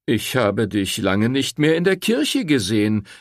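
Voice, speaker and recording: A man's voice: medium pitch, big pitch swings, unhurried, no echo, clean studio sound. Stammering village priest, read by a man. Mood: soothing. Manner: hesitant, stammering, soothing. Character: uneasy older village priest, evasive. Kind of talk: audiobook character voice.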